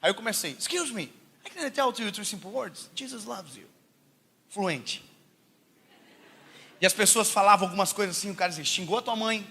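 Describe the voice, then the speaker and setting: A Brazilian man preaches a sermon framed as a funny personal story, his high, fast, slightly rough voice animated and full of laughter. He swings between loud shouts and hushed asides.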